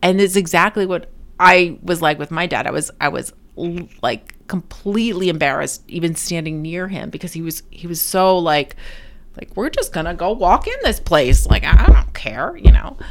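Using vocal fry, a woman talks at a moderate pace in a fairly low pitch, with ordinary pitch variation and big swings in loudness. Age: 50s. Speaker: artist and art teacher. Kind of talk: interview.

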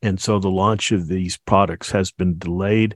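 A man with an American accent is heard on a very clean recording with a silent background and a dry, close sound with no echo. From California. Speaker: aquarium products podcast host. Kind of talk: casual product-review chat.

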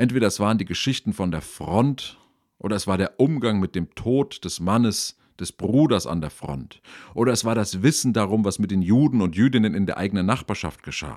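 A man with an ordinary speaking voice and fairly low pitch talks at a moderate pace with lively intonation, on a very clean recording with a silent background. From Lower Franconia, Germany (Rottendorf near Würzburg). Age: middle-aged. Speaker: podcaster. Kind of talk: scripted narration.

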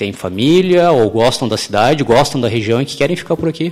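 Very fast speech from a man with fairly high pitch, over noticeable background noise. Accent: southern Brazilian. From Porto Alegre, southern Brazil. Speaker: startup co-founder. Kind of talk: radio interview.

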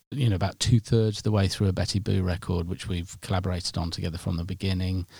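A man with a very deep, low pitch and a dark, mellow tone talks at a very fast pace, somewhat breathy, with fairly even intonation. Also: very clean recording, silent background. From England, Nottingham. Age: 50s. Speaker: music producer. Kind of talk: interview. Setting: podcast studio. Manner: halting.

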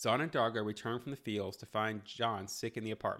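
A man talks at a fairly quick pace and medium pitch. His is a plain, everyday voice. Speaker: podcast co-host. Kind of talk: casual chat podcast, recap and banter.

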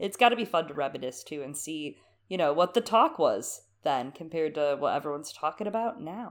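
In an ordinary speaking voice, a woman talks fairly quickly in a fairly low pitch with lively intonation and big swings in loudness, on a very clean recording with a silent background. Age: 20s. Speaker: podcast host. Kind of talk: casual chat.

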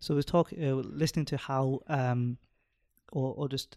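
In a Lancashire accent, a man talks at a moderate pace. The recording is very clean with a silent background, and the sound is dry and close with no echo. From northern England, Rochdale. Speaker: doctor. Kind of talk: casual chat.

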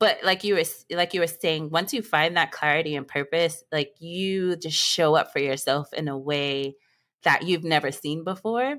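With an American accent, a woman talks at a moderate pace and fairly low pitch with ordinary pitch variation, in an unremarkable speaking voice. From New York. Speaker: cloud security consultant and podcast host. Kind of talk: interview. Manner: laughs often.

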